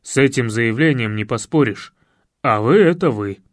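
A man voicing a gruff, hoarse middle-aged male wrestling coach who talks low and clipped. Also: animated, moderate pace, no room sound, studio quality, lightly acted. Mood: teasing. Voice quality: husky.

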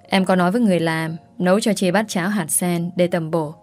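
A woman voicing a polite, soft-spoken young second wife in a spoken story. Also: lowish voice, fairly even intonation, brisk, faint music behind, natural voice.

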